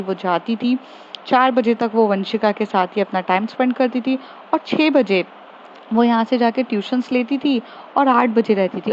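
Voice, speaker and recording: A woman tells a serialized love story in a relaxed, chatty style, often correcting herself partway through a sentence. Her voice sits fairly high. The recording is slightly dull and carries a faint background hiss. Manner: chatty, with many fillers and restarts. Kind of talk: casual spoken story narration.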